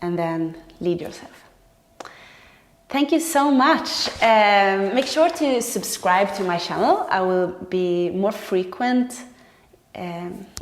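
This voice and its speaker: A woman's medium-pitched voice with a Swedish accent, very wide pitch swings, a very slow pace, long, frequent pauses and audible room echo. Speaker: yoga teacher. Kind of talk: vlog talk to camera. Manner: hesitant, many fillers.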